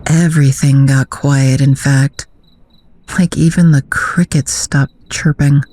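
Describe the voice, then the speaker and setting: A woman's voice: a bass voice, steady tone, slow pace, dark tone, heavily acted. A woman acting in an audio drama as a wry, guarded character who recalls a youthful misadventure in a dry, sardonic manner. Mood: recounting. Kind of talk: audio drama narration and dialogue.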